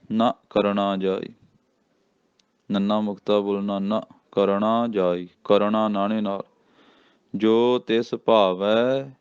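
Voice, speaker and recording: A man with a Punjabi accent teaches scripture recitation in a very clear, even, low voice. He draws each verse out slowly, then adds quick spoken notes on how to say it. The sound is dry and slightly muffled. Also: no room sound. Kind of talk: slow scripture recitation with pronunciation lesson.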